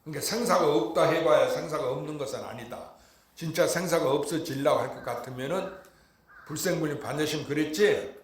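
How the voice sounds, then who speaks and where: Monk, mid-high voice, emphatic sermon, echoey temple hall. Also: male voice, fairly quick. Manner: emphatic, rhetorical, keeps asking the hall if they understood. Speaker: Buddhist monk. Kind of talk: Dharma talk.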